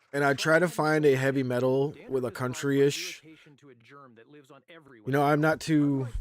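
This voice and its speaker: A man with an American accent speaks very slowly with hardly any pauses, at a fairly high pitch and with monotone, flat intonation. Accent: southern, hidden. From US South. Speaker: wrestling podcast host. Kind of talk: casual chat.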